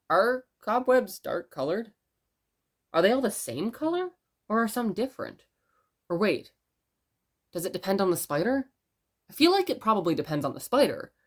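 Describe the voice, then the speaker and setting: A woman acting as a gentle radio host in an audio drama, telling stories in a musing, conversational way. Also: mid-range voice, big pitch swings, normal speed, pauses often. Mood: rambling, musing. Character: rambling, gentle blind radio station host.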